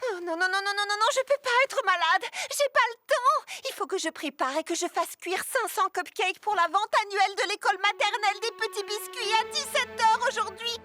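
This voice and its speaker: A young cartoon girl, keen and easily flustered. Her voice sits extremely high and she speaks with animated emphasis. Music runs clearly under the dialogue. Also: fairly quick, hardly any pauses. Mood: panicked. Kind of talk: animated children's series dubbing. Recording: music bed behind the voice.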